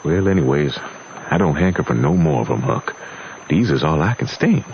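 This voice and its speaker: An actor playing a gentle, sorrowful runaway father in an old radio drama, speaking a folksy Southern US rural dialect. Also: extremely low pitch, sing-song, moderate pace, gravelly, heavily acted. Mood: weary, confiding. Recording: muffled, faintly noisy old radio recording.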